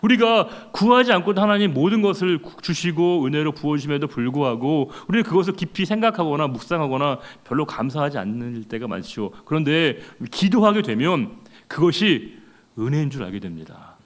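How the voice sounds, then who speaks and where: A man's voice: fairly high pitch, expressive, fairly quick. A middle-aged man preaching a sermon as a pastor, talking conversationally and putting rhetorical questions to the congregation.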